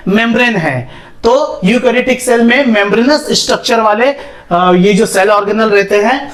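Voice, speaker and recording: A young man teaching a biology lesson, asking questions and answering them himself, mixing English terms into his speech. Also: high-pitched. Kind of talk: classroom lesson with whiteboard.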